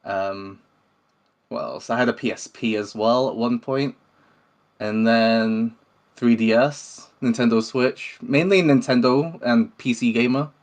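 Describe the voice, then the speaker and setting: A man's voice: mid-range voice, unhurried. A man, talking casually as an interview guest. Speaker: interview guest, game developer. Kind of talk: casual chat.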